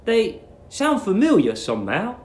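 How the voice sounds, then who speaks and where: A man voicing a polite, cheerful and naive young Englishman in a storybook reading, bright and courteous. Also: sits high, wildly swooping pitch, measured pace, echoey room, pitched above the performer's own voice, full character voice. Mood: puzzled.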